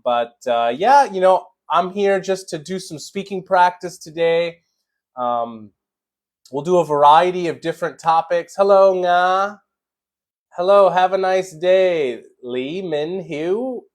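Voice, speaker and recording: Slow-talking American man hosting a live stream. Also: on the high side. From Chicago, USA. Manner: relaxed, greets viewers by name, many fillers. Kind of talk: casual live-stream chat.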